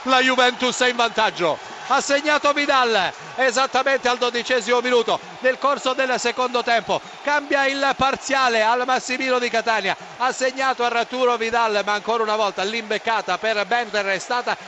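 A man delivers breathless Italian goal commentary in a very high, sharp, forceful voice. His calls are urgent and live, with slight noise around them. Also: moderate pace. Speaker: football commentator. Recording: faint noise behind live broadcast.

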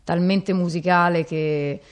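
A woman's voice: on the low side, fairly even intonation, slow pace, clear, resonant tone. A woman from Tuscany, a singer, chatting casually and jokingly in an interview. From Tuscany, Italy. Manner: joking, laughing as she talks.

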